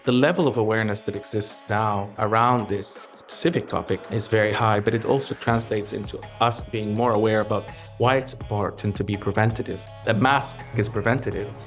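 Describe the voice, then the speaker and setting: A middle-aged man from Egypt with a fairly low voice speaks as an interview guest. He is measured and reflective, often restarting his sentences. Faint music sits quietly behind him. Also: fairly even intonation. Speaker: pharmaceutical executive guest. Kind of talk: interview conversation.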